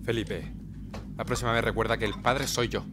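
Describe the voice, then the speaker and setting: An actor plays a protective, firm Spanish father in a radio play. His voice sits at a middle pitch and competes with loud background noise. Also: fairly even intonation, a little fast, lightly acted. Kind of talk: audio drama dialogue.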